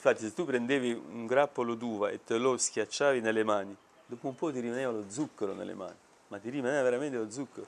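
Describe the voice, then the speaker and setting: A man races through his words very fast, his medium pitch showing ordinary variation. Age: 70s. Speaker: interviewee, Sicilian-Tunisian emigrant. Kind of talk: interview, personal recollection.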